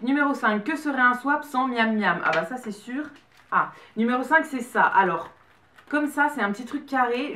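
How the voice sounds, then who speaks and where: A young French woman in her twenties chatting excitedly as she unboxes a gift parcel for her vlog. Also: fairly high pitch, far from the mic. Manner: chatty and excitable, quick bursts of delight. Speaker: beauty vlogger. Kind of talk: casual unboxing chat. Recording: roomy sound from away from the mic.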